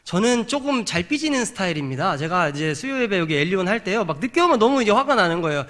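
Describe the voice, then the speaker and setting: Middle-aged male pastor, high voice with wide swings, animated sermon in a church. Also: quick pace. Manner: animated preaching that builds to raised emphatic peaks; acts out trumpet blasts and shouts. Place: church sanctuary.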